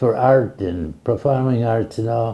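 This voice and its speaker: A man with a Chicago accent speaks at a medium pitch. He talks at a fairly slow pace with ordinary pitch variation. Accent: Chicago American English. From US Midwest, Chicago. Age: 80s+. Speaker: museum director. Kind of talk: interview.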